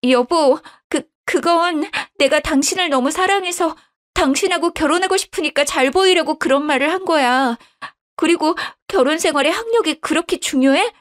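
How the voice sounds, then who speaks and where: A woman's voice: sits high, normal speed, pitched above the performer's own voice, natural voice. A woman voicing a young wife who pleads and stammers tearfully. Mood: pleading.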